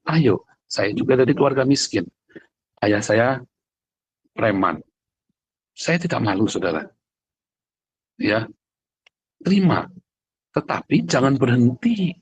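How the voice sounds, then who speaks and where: A pastor with a mid-range, slightly rough voice speaks slowly, pausing often, with big swings in pitch. In this conversational livestream sermon he is blunt and emphatic, talking directly to listeners and asking rhetorical questions. The recording is dry.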